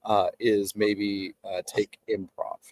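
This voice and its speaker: A man's voice: lowish voice, level tone, darkish tone, dry recording. Stuffed-up nasal man hosting over video. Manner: measured questioning with many fillers. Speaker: host. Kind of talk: live-streamed video interview. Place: outdoors. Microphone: video call.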